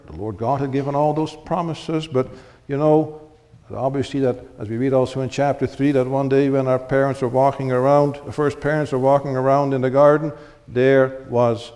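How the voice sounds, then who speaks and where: Earnest preacher in an echoey church. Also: male voice, mid-range voice, darkish tone. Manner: earnest, emphatic, varied pace with pauses. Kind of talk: sermon.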